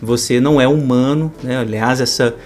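A man giving a psychoanalysis lecture, discursive, with frequent tag questions and emphatic rises in pitch. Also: moderate pace, darkish tone, soft background music.

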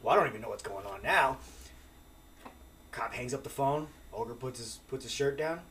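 A man telling a wild story as a podcast guest, animated and profane, acting out what people said. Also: mid-range voice, moderate pace, a little hiss or hum. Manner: animated, profane, acts out quotes. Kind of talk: casual storytelling.

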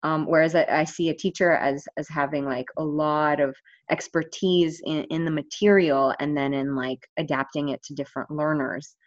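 A woman's voice: low voice, steady tone, moderate pace, hardly any pauses, no echo. A woman working as an online language coach, thinking aloud in casual conversation with many fillers and restarts. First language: not Finnish. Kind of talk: casual video call conversation. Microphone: video call. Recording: dull, dry video call audio.

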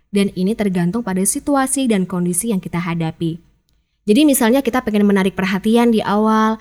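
A woman teaching public speaking in a chatty, upbeat podcast lesson, acting out example phrases. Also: medium pitch.

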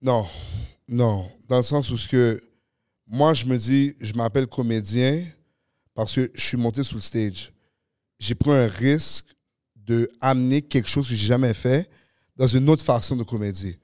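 A man's voice: mid-range voice, a little slow, a little mellow, no room sound, clean studio sound. A man with a Québécois French accent, a guest comedian, chatting casually in slangy French mixed with English, laughing often. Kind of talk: casual podcast chat.

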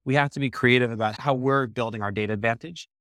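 A man in his thirties, a startup co-founder, answering interview questions quickly and animatedly, with many restarts. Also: mid-range voice, fairly bright tone, dry recording, clean studio sound. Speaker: startup co-founder, podcast guest.

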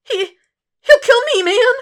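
Woman voicing a shrill, babbling, terrified young thug. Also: unhurried. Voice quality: tearful, high, loud whining. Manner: babbling, stammering, pleading. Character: terrified young male thug begging for his life.

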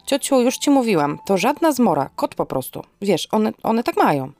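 A woman's voice: medium pitch, big pitch swings, moderate pace, a little mellow, voice pushed up. A woman playing an exasperated, sarcastic young niece in an audio drama, with an ironic, snappish way of speaking. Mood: exasperated, defensive. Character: exasperated sarcastic young niece tidying grandmother's forest cottage.

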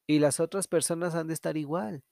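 Gravelly man, confessional podcaster. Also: a little high, fairly even intonation, brisk, dark tone, no echo, studio quality. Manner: candid, reflective, confessional. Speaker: podcast host. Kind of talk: solo podcast monologue.

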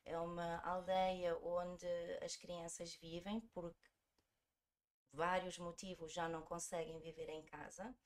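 A woman's voice: lowish voice, little pitch movement, unhurried. A woman in her forties from Germany with a European Portuguese accent, telling her story conversationally as a podcast guest. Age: 40s.

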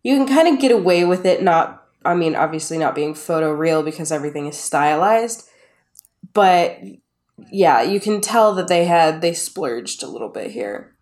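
A woman co-hosting a podcast, giving blunt, emphatic and profane takes on an animated film in casual chat. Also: fairly low pitch, moderate pace. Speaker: podcast co-host.

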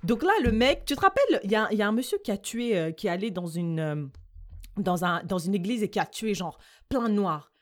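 A woman's voice: medium pitch, animated, a little fast. A woman co-hosting a podcast, chatting casually and switching between French and English mid-sentence. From West African family. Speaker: podcast co-host.

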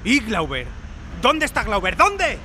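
A panicky inspector in a spy audio drama. His high voice jumps about with urgent, disbelieving questions. Faint street noise runs behind him. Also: huge pitch swings, measured pace, bright, forceful tone, heavily acted. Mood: incredulous, frantic. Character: incredulous, panicky male police inspector who fired the shot. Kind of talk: spy audio drama acting before an audience.

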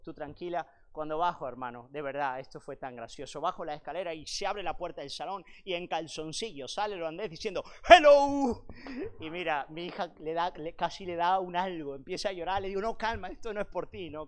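A man preaches to a retreat congregation. He tells a lively personal story, then turns to direct exhortation, speaking to his listeners as brothers and sisters. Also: fairly high pitch, clear, resonant tone. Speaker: pastor. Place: church retreat hall.

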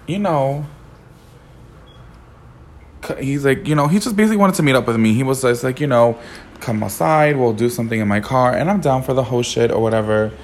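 A hoarse young man with a sassy, campy manner, telling a personal story as a podcast host while sitting in a car. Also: medium pitch, a little mellow, a little hiss or hum. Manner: sassy, campy, swears a lot. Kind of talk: casual storytelling monologue.

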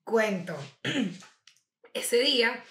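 A woman's voice: fairly high pitch, animated, extremely slow, fairly bright tone. Chatty woman in an echoey room. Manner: chatty, gossipy, laughs often. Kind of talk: casual chat. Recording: roomy echo.

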